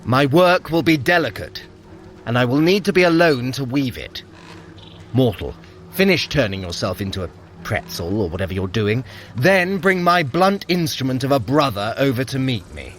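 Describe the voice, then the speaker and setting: Casting: male actor as haughty trickster god, withering and sarcastic, formal theatrical delivery, hugely animated pitch. Audio adventure, faint noise behind. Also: normal speed, close to an everyday voice. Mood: smug. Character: sardonic, haughty trickster god, long-suffering brother. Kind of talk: audio drama fitness adventure.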